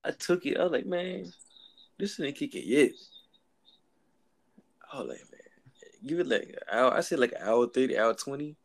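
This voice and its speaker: A young man chatting casually with a friend, telling stories in relaxed slang with mumbled asides. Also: medium pitch, moderate pace, creaky, long pauses. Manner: laid-back slangy storytelling, mumbled asides. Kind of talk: casual chat between friends.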